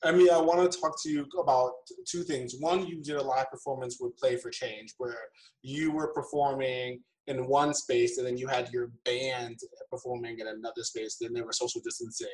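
A man's voice: mid-range voice, fairly even intonation, normal speed, rough recording. A man hosting an interview, asking questions conversationally and restarting his sentences. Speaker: interviewer, host.

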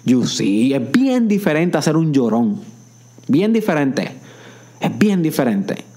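A man with a somewhat high-pitched voice gives a motivational self-help talk. He speaks directly to the listener in a coaching manner, repeating his points for emphasis and switching into English for short phrases. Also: big pitch swings, slow, mellow. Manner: mixes English phrases into Spanish. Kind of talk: motivational monologue.

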